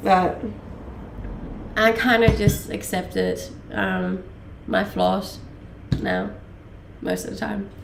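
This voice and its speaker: Spoken in a calm tone at a very slow pace, the voice shows big swings in loudness and long, frequent pauses. Audible room echo surrounds it. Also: woman. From Denmark. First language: Danish. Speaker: live streamer. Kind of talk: casual chat.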